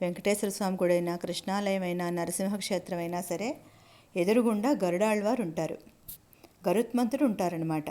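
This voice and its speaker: Using a dark, mellow tone, a woman speaks at a medium pitch with ordinary pitch variation. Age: 50s. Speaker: devotional vlogger. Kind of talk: travel vlog narration.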